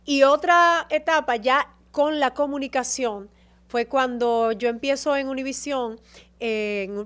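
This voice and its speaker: Woman, higher voice, expressive, storytelling, interview guest. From Dominican Republic. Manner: expressive storyteller, emotional about home. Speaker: guest, actress and TV presenter. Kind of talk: casual interview chat.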